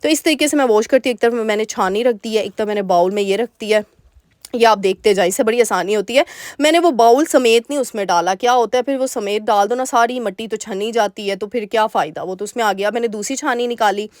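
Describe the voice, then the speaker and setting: A young woman with a sore throat doing a chatty voice-over for her cooking vlog, recorded in a small dark store room. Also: fairly high pitch, fast talker, no room sound, clean studio sound. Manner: warm, chatty, homely advice-giving. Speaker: vlogger homemaker.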